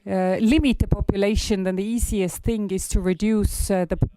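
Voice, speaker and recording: A man with an Estonian accent, hoarse today, giving a research presentation in a halting way with many filler sounds. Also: sits high, steady tone, warm tone, no room sound. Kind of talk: conference presentation.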